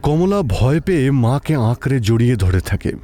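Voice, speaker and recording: A man giving a suspenseful, expressive narration of a scripted horror story. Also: mid-range voice, fairly quick.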